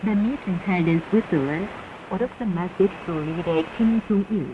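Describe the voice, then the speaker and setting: A woman reading formal scripted propaganda news as a radio announcer, solemn, measured and reverent. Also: lowish voice. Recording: tinny narrowband shortwave radio, heavy hiss.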